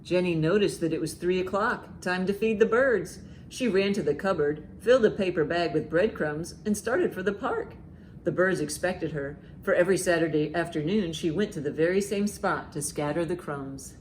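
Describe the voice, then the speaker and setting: Low-pitched woman reading to children, noisy recording. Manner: expressive, slow deliberate emphasis for young children. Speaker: library storytime host. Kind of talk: children's storytime, singing rhymes and reading a picture book aloud.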